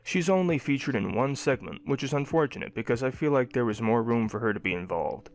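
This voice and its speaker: A man's voice: mid-range voice, lively intonation, fairly quick. A young adult man narrating a scripted cartoon review.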